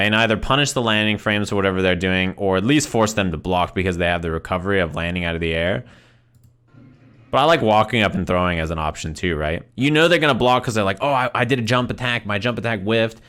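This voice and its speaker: A man's voice: lowish voice, fairly bright tone, clean tone. A man giving casual, conversational fighting game commentary on a livestream, repeating phrases for emphasis and often checking in with "right?".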